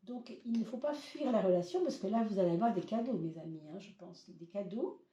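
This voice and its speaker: A hoarse woman giving a casual tarot reading to her viewers, hesitant with many fillers and gently reassuring. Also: medium pitch, expressive, fairly quick, recorded from a distance, muffled recording. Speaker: tarot reader. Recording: roomy echo, voice off-mic.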